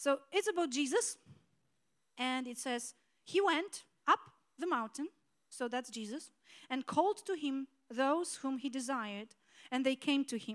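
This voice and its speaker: In a Polish accent, the speaker moves at a fairly slow pace with long, frequent pauses and lively intonation, in a dry, close sound with no echo. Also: woman, high pitch for a woman. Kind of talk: sermon. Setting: stage with audience.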